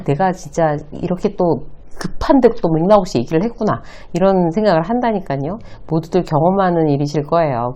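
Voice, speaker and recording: Middle-aged woman, communication lecturer, lively swooping pitch, acts out example lines. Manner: lively, acts out short example dialogues in raised voices. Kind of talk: talking-head lecture on speaking habits.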